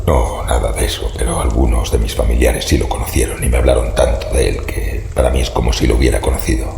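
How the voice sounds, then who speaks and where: An actor playing a haunted, secretive old man who gives grave, ominous warnings in a horror audio drama, with a rasping voice. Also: a bass voice, steady tone, fast, dark tone, exaggerated voice. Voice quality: very gravelly, breathy rasp. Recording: echoey hall reverb, faint noise.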